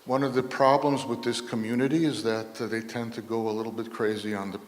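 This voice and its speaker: A man's voice: mid-range voice, level tone, brisk, a little hiss or hum. Chicago-accented man, conference speaker, dry wit, long hall reverb. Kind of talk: lightning talk.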